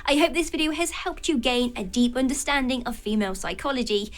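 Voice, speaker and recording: A channel narrator with a high voice reads scripted dating advice as a voice-over. Her style is expressive, slowing down on each heading.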